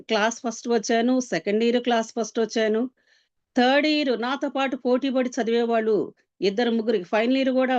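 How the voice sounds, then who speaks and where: A woman giving an emotional personal testimony, earnest and pleading, with pauses and many fillers. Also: fairly high pitch, darkish tone, no room sound. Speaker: Christian testimony speaker. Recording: dull, dry lo-fi sound.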